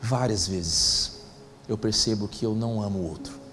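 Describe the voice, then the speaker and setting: A man's voice: on the low side, moderate pace, a bit bright, slight background noise. A man, a pastor telling a story in a sermon, acting out the dialogue in casual slang. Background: faint music.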